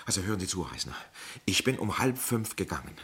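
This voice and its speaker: A desperate suspected lover in a radio crime drama. His husky, tense voice swings widely in pitch as he argues urgently, in halting, emphatic phrases. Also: big pitch swings, a bit bright, full character voice. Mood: tense, troubled. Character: agitated male lover under suspicion, urgent, defensive, desperate. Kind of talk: German crime radio play acting.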